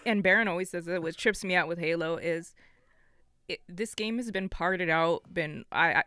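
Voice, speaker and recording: Clear-voiced woman bantering, close and dry. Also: lowish voice, moderate pace, sharp tone, dry recording. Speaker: panelist on a gaming podcast. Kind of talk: casual banter.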